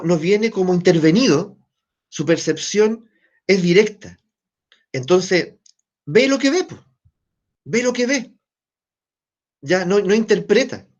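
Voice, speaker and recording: A man with a Chilean Spanish accent lectures to a class online, keeping things conversational and stopping often to check that his students follow. His voice sits a little high for a man. The sound is dull and lo-fi, as over a video call. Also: darkish tone. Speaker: teacher.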